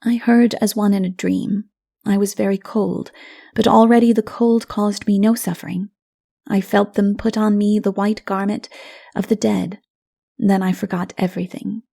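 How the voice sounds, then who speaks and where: A woman reading dark fantasy as a dramatic audiobook, in a hushed, solemn, measured manner. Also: medium pitch, little pitch movement, creaky. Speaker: audiobook narrator. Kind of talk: dramatic scripted literary narration of dark fantasy.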